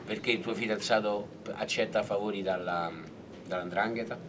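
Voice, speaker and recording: Low-voiced man in a noisy room. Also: fairly even intonation, normal speed. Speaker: film director. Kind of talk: promotional film interview. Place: indoor press junket room. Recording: noisy room with background ambience.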